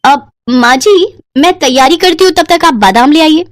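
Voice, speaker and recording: A woman's voice: high voice, normal speed, slight background noise, voice pushed up, natural voice. A woman voicing a lazy young bride who pleads and makes excuses in a cartoon story. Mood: pleading.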